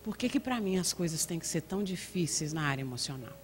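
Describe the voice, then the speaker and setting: A Brazilian woman pastor preaching in a church, telling a personal story with lively quoted dialogue. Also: fairly low pitch, fast talker, soft background music. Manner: storytelling with acted quotes and laughter. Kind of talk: testimony sermon.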